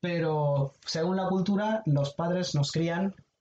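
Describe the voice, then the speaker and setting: A man is talking. There is a somewhat breathy quality to his speech. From India, Agra. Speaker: guest sharing life story. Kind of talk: interview. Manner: halting.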